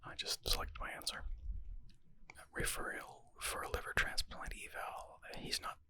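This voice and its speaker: A man whispering in a breathy, unvoiced ASMR style, reading aloud and adding informal, thinking-aloud asides. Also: normal speed, bright, forceful tone. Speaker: ASMR creator reading and answering medical exam questions.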